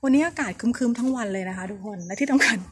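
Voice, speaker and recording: Woman vlogging on a temple tour, soft chatty voice, noisy outdoor sound, birds around. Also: a little high, rapid-fire. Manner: chatty, speaks softly and keeps her voice down. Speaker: travel vlogger touring a temple. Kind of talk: casual guided tour talk. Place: outdoors at a temple on an overcast day.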